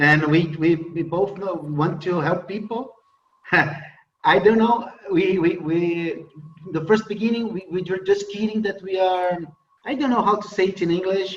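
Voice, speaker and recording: This man speaks with a Portuguese accent at a moderate pace. His pitch is high, with ordinary variation. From Brazil (Santos). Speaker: lawyer and coach. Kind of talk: online panel Q and A. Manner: halting, repetitive stammering.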